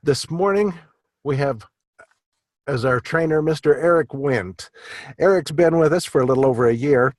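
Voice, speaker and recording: A man hosting a team meeting, introducing the morning's trainer in warm, praising words. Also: a little high, normal speed, dry recording. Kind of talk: formal introduction.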